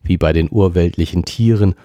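Deep-voiced man reading a novel aloud. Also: normal speed, dark tone, no room sound. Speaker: podcast reader. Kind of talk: audiobook reading.

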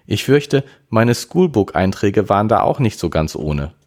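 A man's voice: lowish voice, big pitch swings, measured pace, darkish tone, voice pushed up. A man doing a fretful teenage girl. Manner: anxious, easily annoyed. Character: worried, irritable teenage girl, Melanie.

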